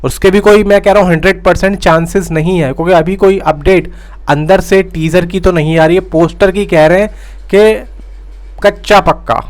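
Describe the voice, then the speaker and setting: A young man giving a casual, insistent film news update to his viewers, repeating himself and calling them brothers and friends. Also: a little high. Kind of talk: casual direct-to-camera update.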